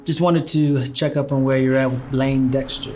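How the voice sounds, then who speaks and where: An actor playing a demanding, middle-aged boss who talks firmly and pushily. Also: male voice, medium pitch, fairly even intonation, moderate pace, darkish tone, soft background music, close to an everyday voice. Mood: stern. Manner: firm, pushy.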